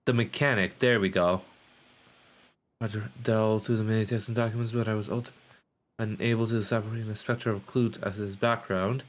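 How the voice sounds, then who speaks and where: A man's voice: lowish voice, steady tone, brisk. A man doing casual live game commentary, rambling and sweary, sometimes reading on-screen text aloud. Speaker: game streamer.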